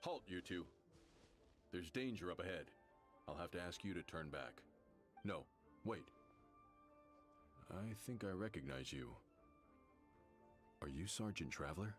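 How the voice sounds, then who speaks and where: Stern dutiful soldier, low voice, formal commanding delivery, video game, faint music. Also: male voice, lively intonation, measured pace, long pauses. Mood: firm, official. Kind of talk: video game character acting.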